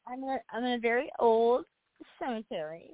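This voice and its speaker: A woman's voice: fairly high pitch, expressive, fairly quick, dry recording. A woman co-hosting a radio show with casual banter and short reactions. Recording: tinny phone-like line.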